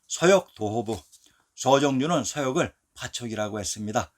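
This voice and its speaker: Man giving measured scripted narration. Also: mid-range voice, lively intonation.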